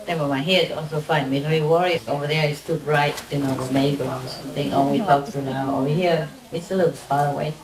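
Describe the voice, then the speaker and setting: A spiritual teacher leading a gathering, a woman who isn't a native German speaker, talks casually to the group with a foreign accent in short, simple, often repeated phrases. Her low-pitched voice is brisk with few pauses and fairly even intonation, recorded echoey from a distant mic with a crowd around.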